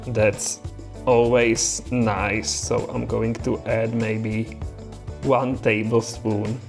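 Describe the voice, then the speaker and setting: Slow-talking relaxed man in a garden. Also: lowish voice, creaky, loud music behind the voice. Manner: easygoing, laughs often. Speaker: vlog host cooking and gardening. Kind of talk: relaxed home vlog chat. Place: outdoors in a garden.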